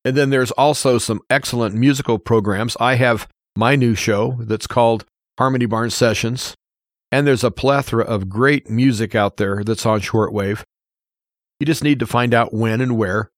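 A man's voice: mid-range voice, moderate pace, no echo. American man, dry close-sounding radio monologue. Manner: earnest, plain-spoken, repeats points for emphasis. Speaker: radio show host. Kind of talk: informal opinion monologue on a radio show.

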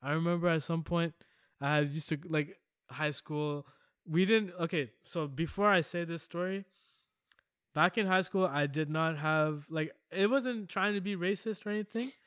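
A man's voice: fairly high pitch, normal speed, a bit bright, clean tone, no echo, studio quality. A man co-hosting a podcast, telling stories in casual chat, laughing often and swearing as he rambles. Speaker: podcast co-host.

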